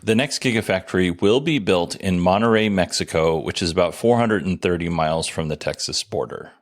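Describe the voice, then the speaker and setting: A man hosting a solo podcast, talking casually about a company event with a dry, self-deprecating manner and what he calls a monotone voice. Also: deep voice, fairly quick. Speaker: podcast host.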